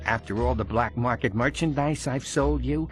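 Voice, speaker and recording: An actor voicing a shifty, wheedling black-market dealer in a video game. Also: male voice, mid-range voice, normal speed, faint music behind, lightly acted. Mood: shifty dealing. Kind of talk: video game cutscene acting.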